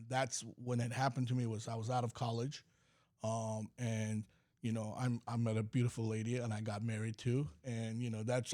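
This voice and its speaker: A man's voice: mid-range voice, darkish tone. A man from California, a company president guesting on a podcast, telling stories in a rambling way with lots of fillers. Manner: rambling storytelling with many fillers. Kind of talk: podcast interview.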